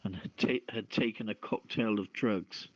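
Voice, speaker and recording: A man hosting a radio call-in show, reading news and opening discussion in a halting delivery with stumbles. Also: lowish voice, fairly even intonation. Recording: roomy, dull lo-fi radio-style audio.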